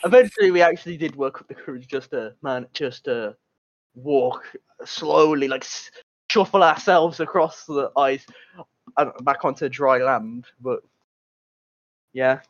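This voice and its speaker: A man's voice: mid-range voice, normal speed, no echo, highs cut off. A man chatting casually as a podcast co-host, telling stories in a hesitant, rambling way with asides. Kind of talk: casual chat and storytelling.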